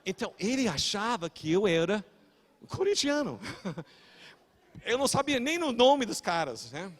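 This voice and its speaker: An older male pastor, a native English speaker, preaches a sermon in a fairly high voice at an unhurried pace in a large hall. He shouts his main points fiercely, then slides into relaxed, rambling anecdotes, stumbling and correcting himself along the way.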